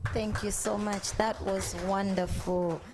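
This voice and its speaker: A woman with a mid-pitched voice moderates a conference session. Some faint noise sits behind her voice. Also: flat delivery, slow pace.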